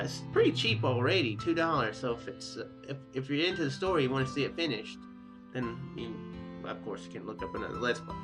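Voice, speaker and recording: A man hosting a gaming series in a casual style, hesitant and rambling, talking and reading story text aloud. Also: medium pitch. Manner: hesitant, rambling, self-correcting. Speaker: host of a Let's Play gaming series.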